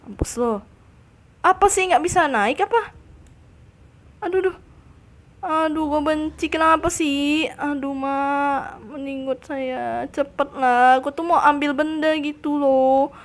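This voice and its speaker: A young woman with a high voice commentates her live game stream at a slow pace. She chats casually with her viewers, squeals and shrieks whenever something startles her, and taunts the enemies in a mock-tough voice.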